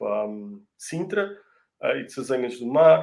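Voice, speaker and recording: A man with a Portuguese accent, medium pitch, ordinary pitch variation, and a very slow pace. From Portugal. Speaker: real estate company country head. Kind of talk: interview. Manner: halting, many fillers.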